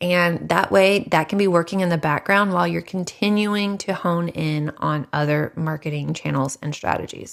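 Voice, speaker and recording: A woman with a plain, everyday voice speaks at a moderate pace with hardly any pauses, in a fairly low pitch with ordinary pitch variation, on a very clean recording with a silent background. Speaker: podcast host, marketing agency founder. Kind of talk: solo podcast tutorial. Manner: casual, conversational.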